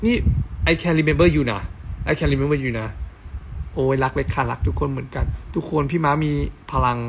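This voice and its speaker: A man's voice: a little high, vocal fry, fairly bright tone, a little hiss or hum. Chatty man reading fan comments live. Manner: chatty and affectionate toward fans; spells letters out slowly. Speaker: live-stream host. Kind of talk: casual live-stream chat, reading fan comments aloud.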